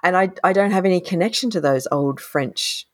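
An Australian woman co-hosting a podcast, talking through a novel in a thoughtful, animated way and laughing often. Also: lowish voice, normal speed. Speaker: podcast co-host, critic. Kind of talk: casual book discussion.

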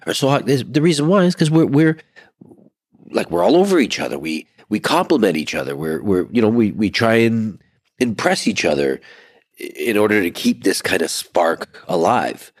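A congested man in his forties co-hosting a casual couple's podcast, energetic and restarting words as he goes. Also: lowish voice, normal speed, no room sound. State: congested, stuffed-up voice. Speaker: podcast co-host.

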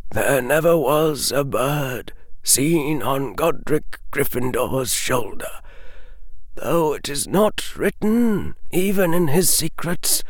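A man voicing an ancient, grieving male wizard in a storybook reading, speaking in a hushed, breaking voice, slow and halting. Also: on the high side, lively intonation, no echo, voice pushed up, full character voice.

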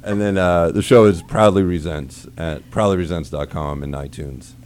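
A man with a fairly low voice, a podcast producer who guests on the show. His humor is dry and self-mocking, and his tone stays casual. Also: fairly even intonation, normal speed, darkish tone, slight background noise.

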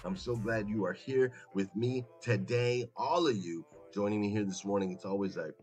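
A man hosting a motivational morning livestream, hoarse as if losing his voice, talking emphatically and chattily straight to his listeners and repeating phrases for effect. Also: fairly low pitch, normal speed, a little mellow. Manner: folksy, chatty direct address to listeners. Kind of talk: motivational live talk to an audience.

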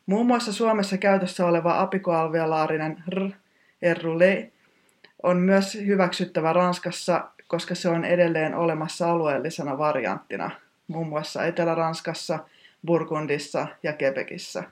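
Teacher reading out a pronunciation lesson, exact and technical, middle pitch. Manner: precise, technical, instructive.

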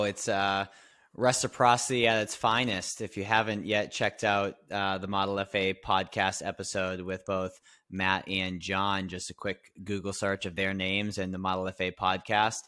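A man's voice: on the low side, flat delivery, moderate pace, pushed and bright, clear, resonant tone, no room sound, clean studio sound. A man answering as a podcast guest, modest and reflective, thinking aloud as he speaks. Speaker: podcast guest, business coach. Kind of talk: casual interview answers.

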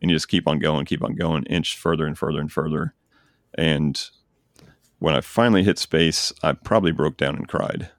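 A man's voice: a bass voice, normal speed, no room sound, clean studio sound. A man hosting a podcast, chatting casually and enthusiastically about games he recommends. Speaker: podcast host. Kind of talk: casual chat.

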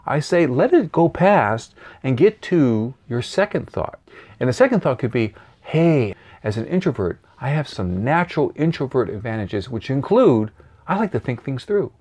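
A man speaking as a guest coach in an interview, animated and repeating key phrases for emphasis. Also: mid-range voice, normal speed. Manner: animated, acts out voices and sounds. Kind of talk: interview answering questions.

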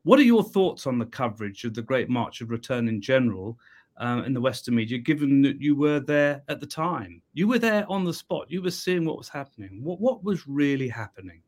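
A man from England hosting a live interview, asking questions in an animated, emphatic way and often repeating words. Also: mid-range voice, brisk. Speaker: host.

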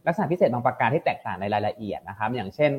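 A man's voice: mid-range voice, lively intonation, rapid-fire, muffled recording, slight background noise. A man co-hosting a casual talk show, explaining in a chatty, informal way and thinking aloud. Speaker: co-host. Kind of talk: casual discussion podcast.

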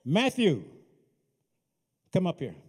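A man playing a calm, commanding male teacher who calls his followers forward in a firm, raised voice. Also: high voice, slow pace, husky, exaggerated voice. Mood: calling. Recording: reverberant hall.

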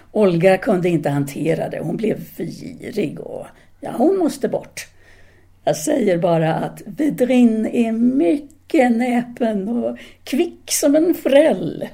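An actress playing a self-possessed, candid intellectual lover of the 1930s in an audio drama, speaking formally and deliberately. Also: female voice, on the high side, animated, creaky, dark tone. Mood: cool, candid. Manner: formal address, deliberate phrasing. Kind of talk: audio drama dialogue, intimate phone conversation.

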